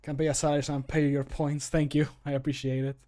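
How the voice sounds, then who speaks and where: Working indoors at home, this thirty-something streamer and part-time voice actor chats to himself with self-deprecating humor. His pitch leans high and barely moves, his tone is mellow, and he talks quickly, picked up by a close desk mic.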